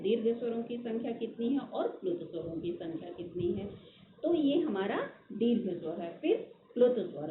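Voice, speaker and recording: A woman teacher giving a recorded grammar lesson, repeating each definition slowly for dictation and drawing out vowel sounds to demonstrate them. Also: on the high side. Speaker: school Hindi teacher. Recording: tinny, echoey phone recording with faint noise.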